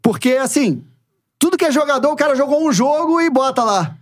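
A Brazilian man with a high-pitched voice tells his story at a brisk pace. He is animated and acts out what other people said. The sound is dry and close to the mic. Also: no room sound. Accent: Brazilian Portuguese. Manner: animated, acts out quoted dialogue, frequent "né" and "e tal". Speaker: football coach, podcast guest. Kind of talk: casual storytelling interview.

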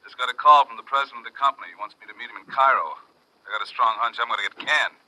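Very sharp-voiced, brusque field manager. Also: male voice, mid-range voice, racing, slight background noise, low-quality recording. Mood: worried, resigned. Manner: blunt, slangy. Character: brusque, worried American oil-company field manager. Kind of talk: 1950s radio drama acting.

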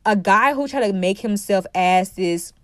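A dating coach hosts her own podcast in an opinionated solo monologue, speaking a little slowly in a mid-range voice. Despite a cold that leaves her congested, she lectures emphatically and keeps repeating her key phrases; the studio sound is clean, with no room sound.

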